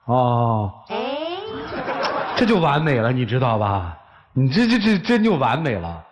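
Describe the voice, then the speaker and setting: A man's voice: medium pitch, big pitch swings, unhurried, background noise. Wry male host with echoing reverb. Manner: wry, teasing questions. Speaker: talk show host.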